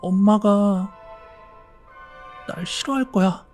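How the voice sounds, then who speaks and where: A man's voice: high voice, fairly even intonation, a little slow, darkish tone, faint music behind. A man voicing a sad little ghost girl of about eight, speaking in a tearful, trembling voice.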